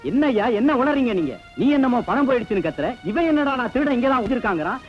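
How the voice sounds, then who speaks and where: An actor playing a blustering, corrupt police sub-inspector who bullies and threatens people in a comic film scene. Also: male voice, very high-pitched, lively intonation, fast, soft background music, low-quality recording. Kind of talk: 1990s comic film dialogue.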